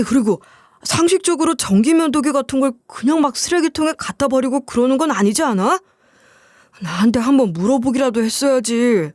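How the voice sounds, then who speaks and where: An exasperated husband fires scolding question after question, voiced by a woman reading a story. The voice sits high and swings widely in pitch. It is recorded close and dry. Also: darkish tone, no echo. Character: irritated husband, appliance store owner.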